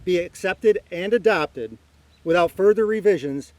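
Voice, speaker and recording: High-voiced man giving a public speech. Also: expressive, measured pace, a little mellow, rough recording. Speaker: mayor.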